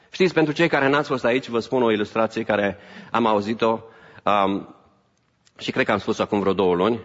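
A man's voice: medium pitch, slightly rough. Man preaching in an echoing hall. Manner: preaching with rising emphasis and mixed-in English phrases. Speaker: pastor. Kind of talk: sermon. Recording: reverberant hall, dull lo-fi sound.

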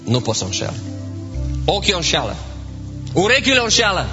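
A man preaches with fervor, his somewhat high voice swinging between hushed phrases and loud, emphatic repeats. The sound is dull and lo-fi, with a long church reverb and music running clearly underneath. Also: wildly swooping pitch. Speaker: pastor. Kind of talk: sermon.

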